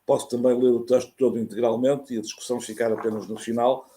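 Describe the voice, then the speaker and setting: A man with a soft, mellow voice of medium pitch and a European Portuguese accent. He speaks as a professor giving an academic lecture on a video call, in a formal, careful and measured manner. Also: level tone. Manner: measured, careful, formal delivery with hesitations when speaking off text. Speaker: university professor, guest lecturer. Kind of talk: academic lecture read from a prepared text. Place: remote talk over video call.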